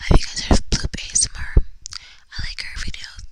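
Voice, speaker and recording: A woman whispers at a moderate pace with noticeable background noise behind her. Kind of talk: ASMR video. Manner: whispered.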